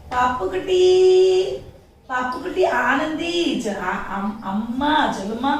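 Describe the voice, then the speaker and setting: A sorrowful, devoted mother played by a woman in a homemade drama, her voice high and given to tearful laments and tender cooing. She has a southern Tamil Nadu accent. The sound is very echoey and distant from the mic, with faint noise. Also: lively intonation, takes it slowly, a bit bright, exaggerated voice. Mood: tender, coaxing.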